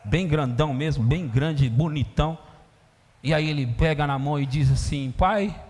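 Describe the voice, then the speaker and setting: A Brazilian pastor with a fairly high voice preaching a sermon, with a Brazilian Portuguese accent. He tells stories and acts out the scenes with lively delivery. His voice carries long reverb through a church hall. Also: normal speed. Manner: storytelling, animated, acts out scenes.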